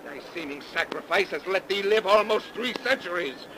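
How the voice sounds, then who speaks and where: An actor playing a cursed, vengeful undead ship captain with grandiose, brooding, archaic delivery in 1930s radio horror style. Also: male voice, high-pitched, moderate pace, close to an everyday voice. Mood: brooding, bitter. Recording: noisy old 1930s radio recording.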